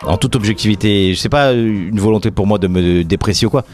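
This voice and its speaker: Man, comedian, from the french riviera, low voice, casual, halting, jokey, faint background music. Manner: hesitant, many fillers and restarts, jokey. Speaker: comedian being interviewed. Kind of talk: casual interview chat.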